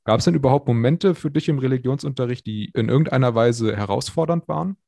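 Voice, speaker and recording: Mellow-voiced male podcast host. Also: medium pitch, fast, vocal fry, no room sound, clean studio sound. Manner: friendly, casual, informal. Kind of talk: podcast interview.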